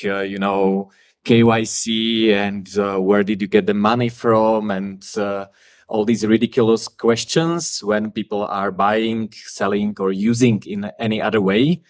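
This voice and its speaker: A man giving a talk at a conference, blunt and frank, with frequent "uh" fillers. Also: fairly low pitch. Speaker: conference speaker.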